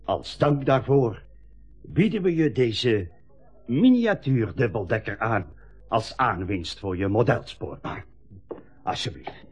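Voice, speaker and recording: An actor playing a jovial railway colleague in a radio play, giving a teasing, ceremonial retirement speech. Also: male voice, medium pitch, big pitch swings, takes it slowly, pauses often, breathy edge, soft background music, full character voice. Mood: teasing, hearty. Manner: ceremonial, jocular public speechmaking.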